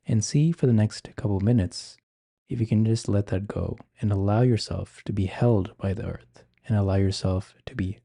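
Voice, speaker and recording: Male meditation guide: deeply relaxed, mellow low voice, gentle ASMR-like instruction, dry intimate recording. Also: gravelly, husky, dry recording. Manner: gentle, measured, unhurried phrasing with soft instructions.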